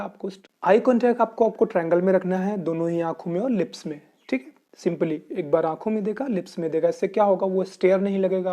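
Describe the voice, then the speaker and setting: Indian-accented man, English coaching teacher, asks and answers his own questions, dark mellow tone. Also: sits high. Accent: Indian Hindi-speaking. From Uttar Pradesh, India. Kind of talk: explanatory Hinglish lesson.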